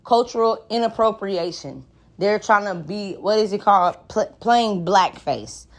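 A woman's voice: mid-range voice, measured pace. A woman with an African American accent talking in a candid, casual podcast monologue, blunt and slangy with plenty of swearing. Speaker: podcast host.

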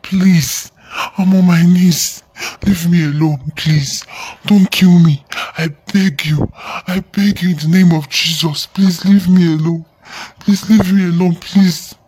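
A man playing a fearful, devout young Christian in an audio drama, anguished and repeating his phrases in a husky voice. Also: high voice, steady tone, slow pace, dark tone, slight background noise. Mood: pleading.

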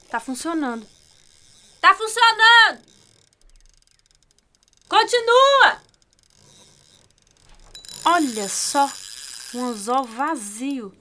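Stubborn brazilian ex-detective lady, radio play, very animated, sharp voice, exclaims a lot. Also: sits high, exaggerated voice. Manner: expressive, exclamatory. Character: tough, stubborn female ex-detective, skeptical, easily rattled. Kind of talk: radio drama acting.

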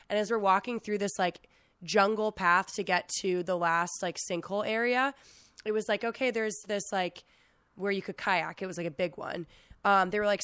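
A woman in her late twenties with a standard American accent, sick and losing her voice, telling travel stories in an animated casual chat. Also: medium pitch, clear, resonant tone, dry recording, studio quality. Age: late 20s. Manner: animated, chatty, peppers stories with "like" and acted-out quotes. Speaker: podcast host.

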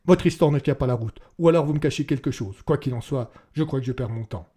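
A man's voice: medium pitch, steady tone, brisk, mellow, slightly rough. A man voicing an irritated, insistent police lieutenant who presses hard in an interrogation. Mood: impatient.

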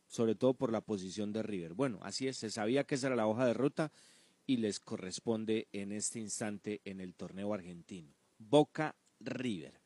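A man's voice: lowish voice, a little fast, darkish tone, dry recording. A man hosting a sports radio show conversationally, repeating phrases and adding little question tags.

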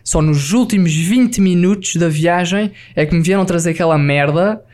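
A man telling a lively travel story on a casual podcast, peppered with slang and English words. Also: high voice, normal speed.

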